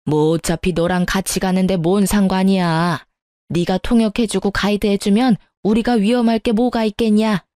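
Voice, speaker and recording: A woman voicing a pushy older mother-in-law who talks down to her daughter-in-law in a mellow, dry voice. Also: medium pitch, steady tone, normal speed, no echo, lightly acted. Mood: coaxing, bossy. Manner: bossy, condescending. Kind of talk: storytelling radio.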